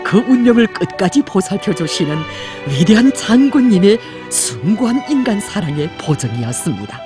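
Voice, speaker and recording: North korean woman narrator, solemn propaganda script, swelling intonation, clear music under it. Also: medium pitch, sing-song, normal speed. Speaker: documentary narrator.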